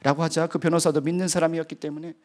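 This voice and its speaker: High-voiced middle-aged male preacher. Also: level tone, racing, darkish tone. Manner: earnest, vivid storytelling. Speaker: missionary preacher. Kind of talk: sermon testimony.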